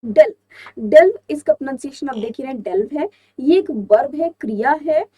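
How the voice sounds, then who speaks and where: Indian woman teacher, young, high-pitched, walks learners through words with questions. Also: expressive, a little fast, warm tone. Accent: Indian English. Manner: explains with rhetorical questions. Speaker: English vocabulary teacher. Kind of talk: exam-prep vocabulary lesson.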